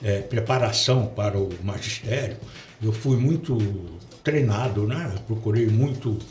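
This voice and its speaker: A man speaks at a fairly slow pace in a medium pitch with ordinary pitch variation, and audible room echo surrounds his voice. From Rio de Janeiro, Brazil (Copacabana, Zona Sul). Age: 70s. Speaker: accounting professor. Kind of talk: interview.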